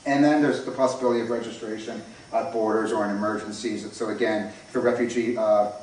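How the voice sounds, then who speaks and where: A man's voice: on the low side, steady tone, quick pace, a little mellow. A man with a North American accent gives an informal academic lecture, explaining things and often stressing phrases. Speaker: academic conference speaker. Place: echoey indoor lecture room. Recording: echoey room, distant mic, faint noise.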